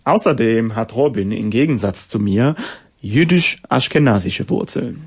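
A man's voice: mid-range voice, animated, measured pace, breathy edge. A man in his twenties, born and raised in Israel with Hebrew as his first language, hosting a radio show with scripted narration and reflective interview questions. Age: 20s.

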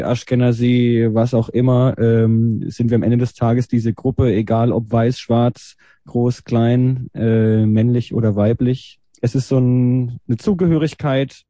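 A man's voice: medium pitch, dark tone, no room sound. A German man in his thirties, a guest in a radio interview, answering hesitantly and thinking aloud as he goes. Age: 30s.

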